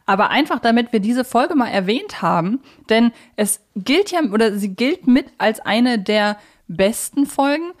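A woman's voice: fairly high pitch, expressive, a little slow, few pauses. Chatty woman co-hosting a podcast. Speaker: podcast co-host. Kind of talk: casual conversational discussion of audio dramas.

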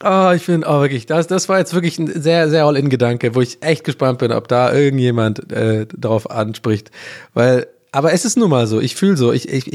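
A male podcast host thinking out loud in a loose, rambling monologue. He often laughs at his own ideas and mocks himself. His voice sits at an average pitch. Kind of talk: casual solo podcast monologue.

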